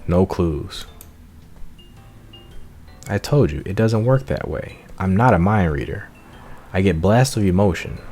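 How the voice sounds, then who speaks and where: A man's voice: sits low, expressive, a little slow, pauses often, a little mellow, soft background music. A man voicing a cheerful, defensive schoolgirl who reads emotions, in a hammy read-aloud of a visual novel.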